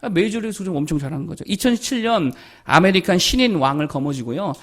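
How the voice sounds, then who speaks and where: High, lively-voiced male pastor preaching. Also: fast. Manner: emphatic, asks the congregation rhetorical questions. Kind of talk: sermon.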